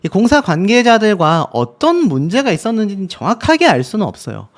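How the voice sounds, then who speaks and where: Male commentator, high voice, very animated pitch, casual chatty delivery, walks through footage point by point. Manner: talks the viewer through clips step by step, leading each point with an aside. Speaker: channel host, commentator.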